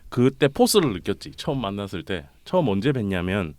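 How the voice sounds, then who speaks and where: A man hosting a casual interview podcast, playful and quick to laugh, his voice a little off from a cold. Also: on the low side, very animated, darkish tone, no echo. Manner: playful, laughs often, teasing. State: has a cold, voice slightly off. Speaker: podcast host.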